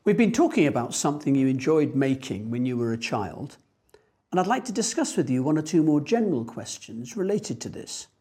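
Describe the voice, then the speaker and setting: A woman examiner putting formal interview questions in a measured, procedural way. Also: rumbling low, big pitch swings, dark tone, slightly rough. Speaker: speaking test examiner.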